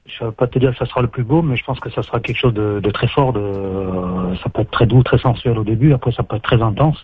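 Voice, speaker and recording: A man's voice: medium pitch, fast talker, husky, no echo. A man on a phone call, boasting with hesitant fillers. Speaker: caller on a radio show. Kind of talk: phone conversation. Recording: dull lo-fi phone line.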